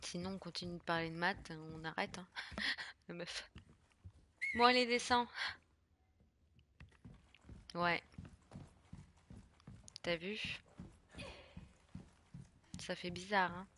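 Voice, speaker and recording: A young French woman streaming a horror game, chatting casually and swearing in loud bursts, with a stuffy nose from being sick. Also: fairly low pitch, steady tone, slow, pauses often, a little hiss or hum. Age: 20s. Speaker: gaming streamer. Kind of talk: casual let's play commentary.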